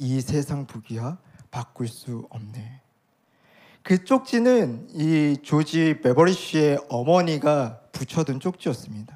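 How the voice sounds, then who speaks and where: A man speaks very slowly in a fairly high pitch, his dark, mellow tone carrying lively intonation and big swings in loudness over a very clean recording with a silent background. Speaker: pastor. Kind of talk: sermon. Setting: church.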